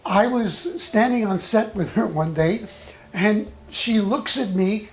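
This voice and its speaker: An acting coach gives an instructional talk peppered with personal anecdotes. The delivery is measured and deliberate, with thoughtful pauses, in a mid-range voice.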